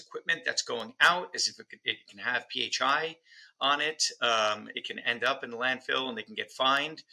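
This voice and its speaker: A man speaks at a fairly quick pace. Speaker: licensed auctioneer and medical equipment appraiser. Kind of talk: podcast interview. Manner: many fillers and hesitations.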